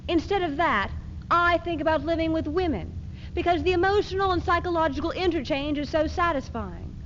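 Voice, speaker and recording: A woman's voice: very high voice, lively intonation, a little fast. A woman playing a determined, newly independent feminist in a readers theater monologue. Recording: dull 1970s archive recording, faint noise.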